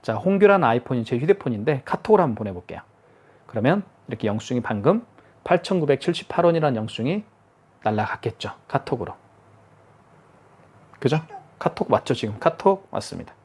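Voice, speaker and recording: A man demonstrating a gadget on camera, talking viewers through every step. He explains patiently and often repeats a phrase to make sure it lands. His voice sits at an ordinary middle pitch. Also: big pitch swings, a little fast, pauses often, darkish tone, breathy edge. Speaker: product demonstrator. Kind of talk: hands-on product tutorial.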